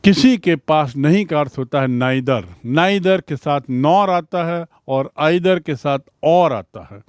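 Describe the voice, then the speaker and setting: A male English teacher giving a lesson in Hindi, reading English lines slowly and then explaining them word by word. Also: a little high, clean tone, no room sound.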